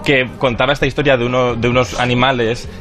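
A man's voice: mid-range voice, level tone, quick pace, a bit bright, faint music behind. Chatty man on radio. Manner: chatty and nostalgic, hums and sings snippets. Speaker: radio TV-history pundit. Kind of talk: casual radio chat.

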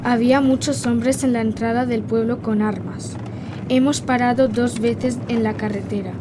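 A woman's voice: on the high side, noisy background. A woman reading a scripted first-person diary in the voice of a young girl, simple and intimate. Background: soft background music.

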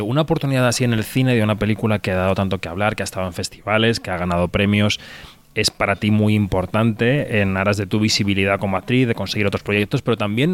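Male interviewer, fast, low-pitched, articulate. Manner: long, fluent, well-formed questions. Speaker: film interviewer. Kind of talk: interview questions.

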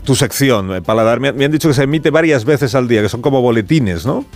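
A man's voice: mid-range voice, lively intonation, fast, faint music behind. A man with a Castilian Spanish accent hosting a conversational radio interview, hesitating and repeating words as he goes. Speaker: radio host.

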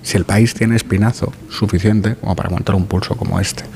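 Gravelly, emphatic male commentator. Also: sits low, steady tone, brisk, darkish tone. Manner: emphatic, building rhetorical lists. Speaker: political commentator. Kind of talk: radio panel discussion.

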